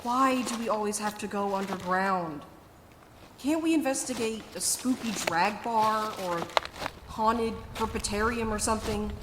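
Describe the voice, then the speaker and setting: A woman's voice: mid-range voice, a little slow, lightly acted. A woman playing a dry, sardonic adventurer who would rather stay home. She grumbles and objects in a natural mid-range voice, with an anxious edge. It is audio drama, with some noise behind her. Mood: uneasy, annoyed. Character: sarcastic, grumbling, anxious reluctant explorer named Val.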